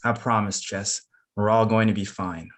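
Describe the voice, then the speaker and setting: A man reading the part of a cautious, protective husband in a drama, measured and understated. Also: fairly low pitch, fairly even intonation, a little hiss or hum, close to an everyday voice. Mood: steady, concerned. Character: cautious, steady, protective husband and town official. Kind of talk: screenplay table read.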